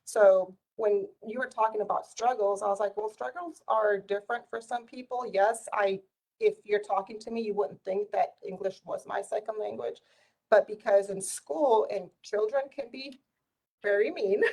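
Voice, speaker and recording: A middle-aged woman who grew up speaking Spanish talks in a relaxed, conversational storytelling style. She has a medium-pitched voice and retells exchanges by quoting them in an animated manner. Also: normal speed, vocal fry, poor audio. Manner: animated retelling with quoted dialogue. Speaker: community volunteer sharing life stories.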